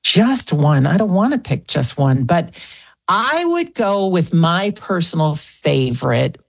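A woman's voice: fairly low pitch, big pitch swings, takes it slowly, vocal fry, husky, no room sound. A woman in her sixties, a guest on a radio interview, talking earnestly and piling up examples. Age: 60s. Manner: earnest, talks in lists and repeats phrases. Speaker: guest author.

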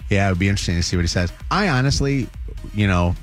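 A man's voice: low voice, lively intonation, quick pace, soft background music. A man co-hosting a morning radio show, talking casually and hesitantly with many restarts. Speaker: radio co-host.

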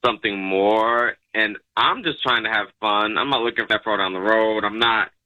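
Man called on air, bright edgy voice over phone, frank, casual, filler-heavy. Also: on the low side, moderate pace, lo-fi sound. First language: not Spanish. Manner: blunt, casual, lots of fillers. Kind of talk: phone conversation.

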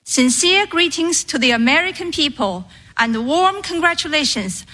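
A woman interpreter speaking as a translation voice-over, with a measured, formal delivery. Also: sits high, lively intonation, pushed and bright.

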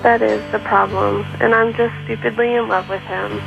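Woman, late 20s, radio caller, hesitant, gravelly, muffled phone sound. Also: mid-range voice, steady tone, moderate pace, over music. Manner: hesitant, shy, lovesick.

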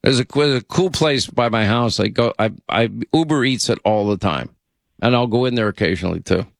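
A man's voice: mid-range voice, brisk, gravelly, no echo, clean studio sound. A man hosting a call-in radio show, talking in a chatty, rambling way. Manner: chatty, rambling, self-interrupting. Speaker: radio talk show host. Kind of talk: casual call-in radio chat.

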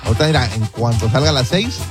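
A man's voice: mid-range voice, lively intonation, fast talker. A man hosting an afternoon radio slot, joking around and half-singing his lines between songs. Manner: joking, sing-song, chuckling. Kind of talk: playful radio DJ banter. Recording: with loud music behind.

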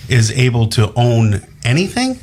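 A man's voice: mid-range voice, wildly swooping pitch, unhurried, darkish tone. A male co-host interviewing a guest, often affirming and interjecting. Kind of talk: interview conversation.

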